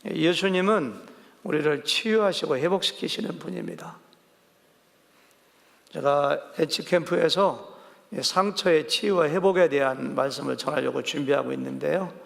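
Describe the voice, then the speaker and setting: A man's voice: a little high, moderate pace, creaky, a bit bright. A male pastor preaching a sermon in a conversational way, drawing answers from the congregation and acting out quoted dialogue. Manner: conversational, asks the congregation questions; acts out quoted dialogue vividly. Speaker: senior pastor. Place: church sanctuary. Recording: church sanctuary with long reverb.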